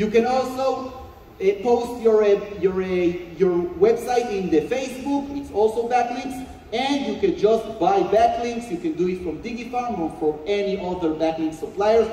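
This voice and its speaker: A man's extremely high-pitched voice with a non-native accent and lively intonation at a moderate pace, amid audible room echo and noticeable background noise. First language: Hebrew. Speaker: SEO expert. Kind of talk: conference talk. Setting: stage with audience. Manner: halting, many fillers.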